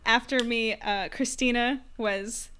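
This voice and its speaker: Chatty higher-voiced woman podcast host. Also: fairly even intonation, takes it slowly, fairly bright tone, slight background noise. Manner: informal and chatty. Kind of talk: casual group chat, hosting a trivia night.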